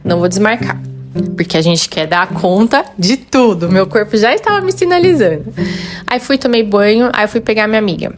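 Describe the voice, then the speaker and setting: A Brazilian woman hosting a motivational podcast, her voice sitting at an ordinary middle pitch. She tells a story chattily, acting out bits of dialogue, then turns earnest and encouraging as she speaks straight to her listeners. Soft music plays faintly underneath. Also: animated, brisk. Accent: Brazilian Portuguese. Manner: chatty, retells scenes with quoted dialogue. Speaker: podcast host. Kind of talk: personal storytelling and motivational monologue.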